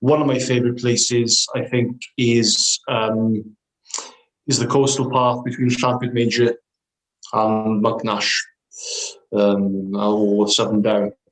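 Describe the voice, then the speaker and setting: A man with a South Welsh accent, medium pitch and monotone, flat intonation, at a very slow pace with long, frequent pauses. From Wales, Amman Valley (Carmarthenshire). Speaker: actor. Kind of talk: casual chat.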